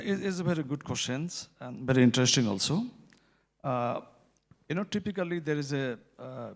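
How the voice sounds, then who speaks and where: A man, speaking on a conference panel about microfinance, explaining earnestly with many hesitations and fillers. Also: medium pitch. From Bangladesh. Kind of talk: panel discussion.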